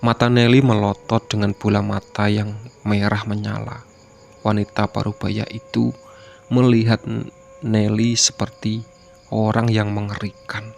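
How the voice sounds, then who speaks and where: A man with a low voice reads a horror story aloud as scripted narration. He keeps an even, level delivery and his pitch barely moves. A faint hiss runs under the recording. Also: a little slow, vocal fry, long pauses. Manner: steady, even reading delivery.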